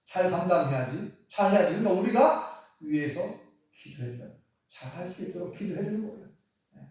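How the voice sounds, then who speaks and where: A man, a pastor, preaching a sermon in an animated storytelling way with chuckling asides. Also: high-pitched, brisk. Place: church sanctuary. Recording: echoey church hall from far off.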